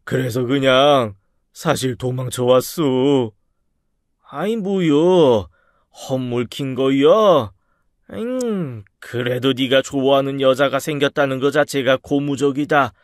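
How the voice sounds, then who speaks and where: A man's voice: medium pitch, slow pace, no echo, studio quality, close to an everyday voice. A man voicing a boisterous older male farm boss who drawls in a countrified way, in a storybook reading. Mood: coaxing.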